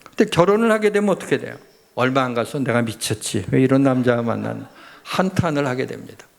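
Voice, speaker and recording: Gravelly-voiced man preaching a sermon. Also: mid-range voice. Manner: conversational and animated, acting out quoted voices. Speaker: pastor.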